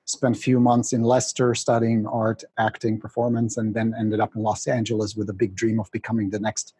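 Husky, exuberant man. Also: lowish voice, level tone, fairly quick, mellow, no room sound. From Czechoslovakia. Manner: exuberant, jokey storyteller. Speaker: guest. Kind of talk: podcast interview.

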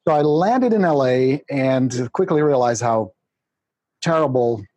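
A man's voice: medium pitch, expressive, unhurried, a little mellow, no room sound, highs cut off. A middle-aged man from Czechoslovakia, a guest on a podcast interview, telling his story in an exuberant, joking way.

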